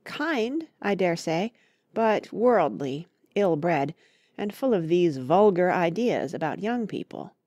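A woman voicing a grave, gentle mother giving measured advice to her daughter in a storybook reading. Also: lowish voice, sing-song, dry recording, studio quality, full character voice.

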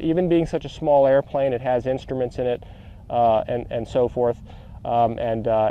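A man's voice: a little high, warm tone, clean tone, lo-fi sound. A middle-aged man outdoors on a grassy field, presenting a model aircraft and then commentating its flight, full of fillers and eager asides to viewers. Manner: filler-heavy, eager, talks straight to viewers. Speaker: model aircraft reviewer and pilot. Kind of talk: product demo and flight commentary.

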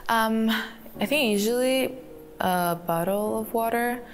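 A teenage woman from Canada answering interview questions in a soft, giggly way with many ums, filmed in a photo studio. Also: fairly high pitch, unhurried. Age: teens. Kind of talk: recorded profile interview. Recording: clip played with faint music.

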